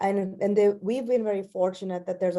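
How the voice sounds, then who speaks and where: A woman with a Gujarati accent, a dark, mellow tone and a fairly quick pace against a quiet background. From India. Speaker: researcher. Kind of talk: lecture.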